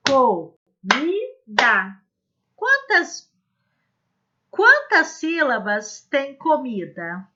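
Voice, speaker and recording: A woman teaching how to run early literacy activities, speaking slowly and demonstrating each step clearly. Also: sits high, sharp tone, highs cut off. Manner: slow, clear, demonstrative teaching with modeled examples. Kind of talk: instructional video lesson.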